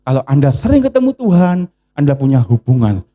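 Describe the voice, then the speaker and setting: Warm-voiced preacher. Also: male voice, mid-range voice, a little fast. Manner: lively preaching, bantering with the congregation. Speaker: pastor. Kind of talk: sermon. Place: church service.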